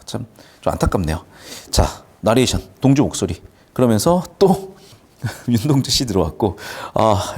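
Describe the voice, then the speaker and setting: Male tutor, lively swooping delivery, playful classroom lecturer. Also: fairly low pitch, breathy edge. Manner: lively, jokey, acts out characters' lines. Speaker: Korean literature tutor. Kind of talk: classroom lecture explaining a screenplay.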